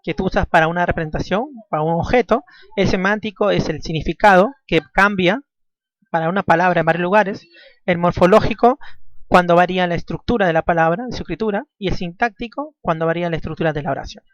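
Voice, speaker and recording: A man's voice: high-pitched, quick pace, no echo. Guy lecturing his class, keeps tacking on little question tags, muffled dry lo-fi sound. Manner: ends nearly every phrase with a questioning tag; repeats key points and restarts words. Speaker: language teacher. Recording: dull dry lo-fi recording.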